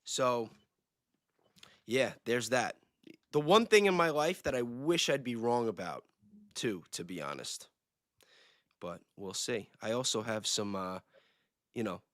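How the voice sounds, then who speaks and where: A man's voice: mid-range voice, a bit bright, dry recording, clean studio sound. A man talking casually and informally on a livestream, using slang as he speculates. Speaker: livestream guest, self-described independent investigator.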